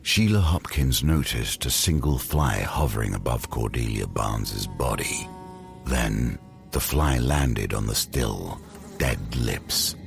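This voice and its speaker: Gothic horror narrator: rumbling, extremely low, creaky, grave and deliberate, music underneath. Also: male voice, animated, full character voice. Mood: suspenseful. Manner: deliberate, dramatic pauses. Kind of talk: scripted audio drama narration.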